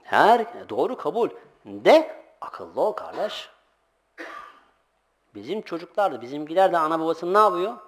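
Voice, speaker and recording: A middle-aged man giving an informal sermon as a religious teacher, telling lively anecdotes, acting out voices and laughing often. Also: a little high, normal speed, long pauses.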